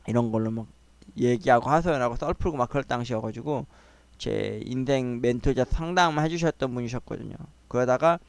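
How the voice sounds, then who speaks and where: A man hosting his own channel, telling a family quarrel story in a casual, agitated way and acting out the shouting. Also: mid-range voice, clean tone, dry recording. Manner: agitated, animated retelling, quoting people in raised voices.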